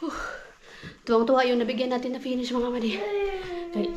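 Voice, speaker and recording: A woman's voice: fairly high pitch, a little fast, muffled recording, crowd noise. A woman from the Philippines chatting casually in a home vlog, switching to a sing-song voice when talking to her toddler. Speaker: vlogger mom.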